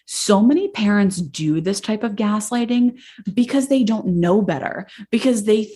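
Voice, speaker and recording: A woman therapist hosting a podcast, talking casually and passionately, with a voice that carries loudly. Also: medium pitch, expressive, normal speed, breathy edge.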